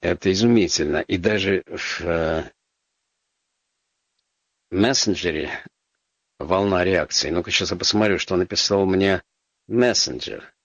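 Deep-voiced wry radio host, man. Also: unhurried, long pauses, no room sound, highs cut off. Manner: ironic, wry asides with frequent fillers. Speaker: radio talk show host. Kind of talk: casual call-in radio talk. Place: radio studio.

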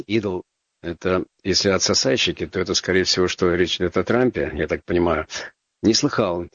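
A man's voice: low voice, moderate pace, no room sound, dull audio. A man hosting a call-in radio talk show, chatting casually with ironic asides and plenty of filler words. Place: radio studio.

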